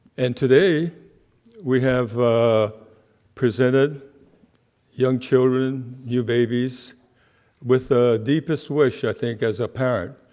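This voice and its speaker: A man speaks very slowly at a medium pitch with a dark, mellow tone. His intonation is fairly even, with long, frequent pauses. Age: 80s+. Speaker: retired Buddhist minister. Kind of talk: sermon. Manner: casual, conversational.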